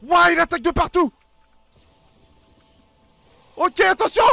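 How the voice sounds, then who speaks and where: Young guy doing excited gaming commentary, high voice with some crackle, close and dry. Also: unhurried, gravelly, dry recording, faint music behind. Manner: exclamatory, reactive, talks to himself. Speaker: gaming video host. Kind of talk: excited let's play commentary.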